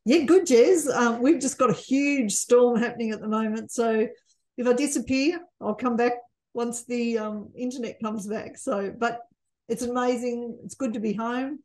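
A woman's voice: on the high side, normal speed, darkish tone, rough recording. A woman co-hosting a podcast, chatting casually with many fillers. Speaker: podcast co-host. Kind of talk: casual chat.

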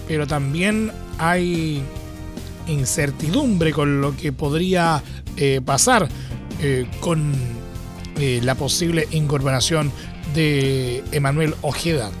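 A man's voice: fairly high pitch, slow. A man with a Chilean accent presenting sports news as a radio host. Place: radio studio. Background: faint music.

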